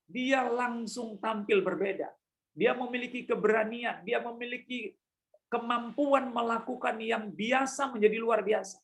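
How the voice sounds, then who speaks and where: Male pastor, church sermon, gravelly voice, emphatic repeated phrases, speaks straight to the congregation. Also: extremely high pitch, rough recording. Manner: repetitive emphatic preaching; addresses congregation directly.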